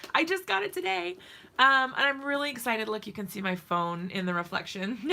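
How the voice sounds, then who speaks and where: A woman talks at a fairly quick pace in an animated way. Her fairly high voice has a bright, sharp tone. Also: lively intonation. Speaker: craft video host. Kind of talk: live stream craft chat.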